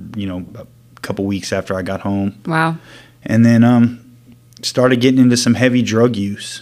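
Amid noticeable background noise, a man with an American accent speaks at a moderate pace and medium pitch, with ordinary pitch variation and long, frequent pauses. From US South, southwest Houston, Texas. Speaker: community center director. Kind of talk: testimony.

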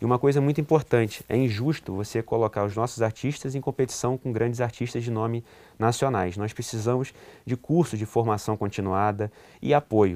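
On a very clean recording with a silent background, a man speaks in a normal speaking voice at a medium pitch with ordinary pitch variation, the sound dry and close with no echo. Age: 30s. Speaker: mayoral candidate and physician. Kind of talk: political interview.

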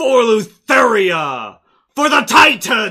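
A man puts on a character voice at an extremely high pitch. He talks at a very slow pace with very wide pitch swings.

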